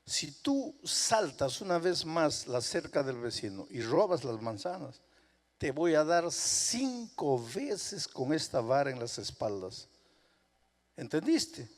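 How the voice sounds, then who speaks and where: A man's voice: a little high, very animated. A man preacher voicing a stern but loving mother who firmly insists her son must face the punishment he earned. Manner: firm, measured, insistent. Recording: reverberant hall.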